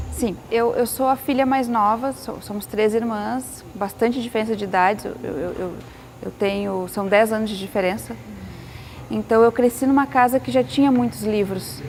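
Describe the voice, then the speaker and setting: A woman's fairly high voice in a southern Brazilian accent, lively in intonation and moderate in pace, with noticeable background noise. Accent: gaúcho Brazilian Portuguese. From southern Brazil (Rio Grande do Sul, Porto Alegre). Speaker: poet and literature scholar. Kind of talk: interview. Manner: halting, with frequent repetitions.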